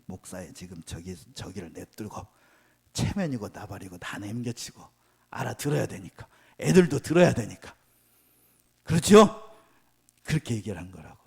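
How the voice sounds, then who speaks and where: A man's voice: on the low side, normal speed, vocal fry, slightly rough. A male pastor giving a Sunday morning sermon in a church, quizzing the congregation and joking as he goes. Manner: animated, asks the congregation questions, jokes. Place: church sanctuary.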